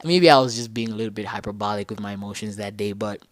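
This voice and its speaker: A young Zambian man hosts a casual solo football podcast, talking fast in a lowish voice with slangy, animated energy and correcting himself as he thinks aloud. The recording is dry.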